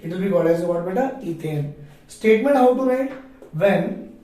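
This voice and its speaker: Male teacher, South Asian accent, high mellow voice, question-and-answer lecturing with repeated phrases. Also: lively intonation, normal speed. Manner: asks questions and answers them himself; repeats phrases for emphasis, addresses students affectionately. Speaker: chemistry teacher. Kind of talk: classroom lecture for a video lesson. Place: echoey room, recorded away from the microphone. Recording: very echoey room, distant microphone.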